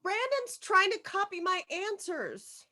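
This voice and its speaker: A woman playing an awkward, anxious junior high girl in a script read, hesitant and pleading. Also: big pitch swings, unhurried, pushed and bright, heavily acted. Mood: tattling. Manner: hesitant, stammering, protesting. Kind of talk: table read of a film script.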